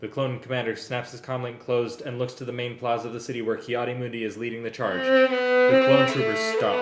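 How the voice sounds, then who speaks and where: A man reading a script aloud and directing a music rehearsal. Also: mid-range voice. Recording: echoey room, loud live string music. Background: loud violin and string music.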